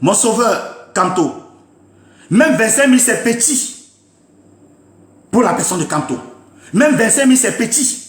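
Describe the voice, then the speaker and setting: A man's voice: high voice, animated, a little slow, pauses often, roomy sound. A man giving an impassioned political rant, emphatic and scolding, repeating his points to his listeners. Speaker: political commentator. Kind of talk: impassioned live-stream rant.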